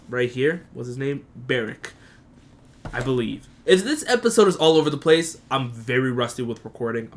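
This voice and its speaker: A young man hosting a casual solo podcast, profane and animated, leaping into high excited squeals and then dropping to low muttered asides. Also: a little hiss or hum. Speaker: podcast host.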